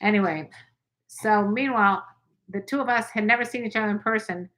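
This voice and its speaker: An older woman hosting a casual livestream chat, rambling with quick asides. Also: mid-range voice, a bit bright. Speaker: channel host.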